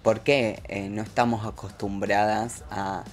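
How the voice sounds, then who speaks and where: A woman's voice: very deep voice, little pitch movement, measured pace, faint music behind. A woman with a Rioplatense accent, a guest poet talking casually on a radio show, emphatic and constantly asking if you follow her. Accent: Rioplatense Spanish. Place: radio studio.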